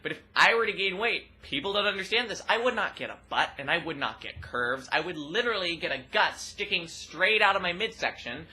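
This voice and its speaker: A young trans woman with a rather deep voice, talking expressively and loudly in a casual personal vlog. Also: fairly quick, hardly any pauses, low-quality recording. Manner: expressive, loud, laughs often. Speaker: vlogger.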